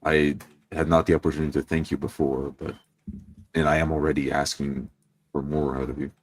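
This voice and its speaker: A man's voice: a bass voice, little pitch movement, a little fast, breathy edge, no echo. A man voicing an earnest, courteous adventurer with solemn, formal wording in a tabletop roleplay.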